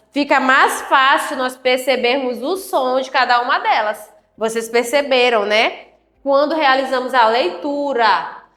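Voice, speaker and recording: A woman teacher with a fairly high voice speaks very slowly, sounding out each syllable and checking in with her students. She is recorded in an echoey room with faint music behind her. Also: a bit bright. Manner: slow, clearly syllabled, encouraging questions to students. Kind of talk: slow classroom lesson for adult learners.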